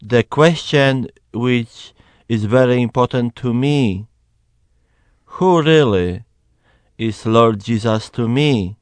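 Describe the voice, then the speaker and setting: Slow earnest man with a Polish accent. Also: medium pitch, dry recording. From Poland. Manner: slow, earnest, emphatic preaching. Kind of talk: personal testimony, Bible reading.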